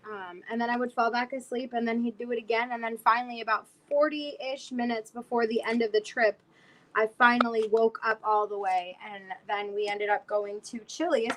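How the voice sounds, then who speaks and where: Casting: twenty-something woman, livestream host, slightly high voice, lost voice, rambling and chatty, faint hiss behind. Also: steady tone, normal speed, a bit bright, low-quality recording. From South Florida. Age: 20s. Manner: chatty, rambling with many fillers. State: lost her voice. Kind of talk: casual livestream chat.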